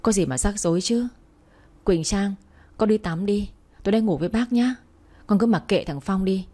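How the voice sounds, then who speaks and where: A woman's voice: medium pitch, moderate pace, dark tone, lightly acted. A woman voicing a kind older woman, a future mother-in-law who comforts the girl and bosses her son, in a storybook reading. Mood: commanding. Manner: soothing and motherly. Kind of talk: storybook narration.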